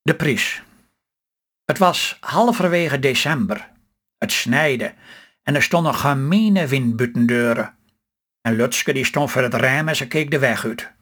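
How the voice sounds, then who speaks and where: An older man with a Stellingwerfs accent reading his own story aloud in a calm, measured way. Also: medium pitch, husky. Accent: Stellingwerfs Low Saxon.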